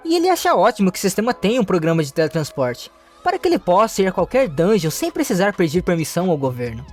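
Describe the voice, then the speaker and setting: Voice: medium pitch, very animated, fast, a little mellow, faint music behind. A narrator, reading a comic story recap steadily, with small restarts. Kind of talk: recap narration, read aloud.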